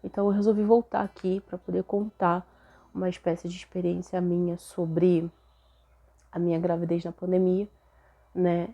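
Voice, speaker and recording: A young Brazilian woman with a Brazilian Portuguese accent, hoarse and a little nasal from a cold, chatting casually to camera as host of her faith channel, often tagging her sentences with questions. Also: on the low side, little pitch movement, moderate pace, dark tone, lo-fi sound. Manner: chatty, frequent tag questions.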